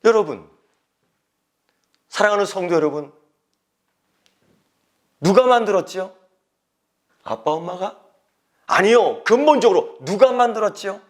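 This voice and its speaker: A male pastor preaching a sermon, swinging between loud emphatic exhortation and hushed whispered lines. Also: high-pitched, animated, unhurried, long pauses.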